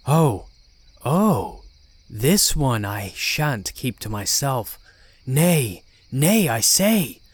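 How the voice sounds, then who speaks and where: A man's voice: medium pitch, lively intonation, a little slow, no room sound, lightly acted. A man voicing a taunting demon that speaks through a possessed young woman, with a mocking, theatrical manner and archaic turns of phrase. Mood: gleeful menace.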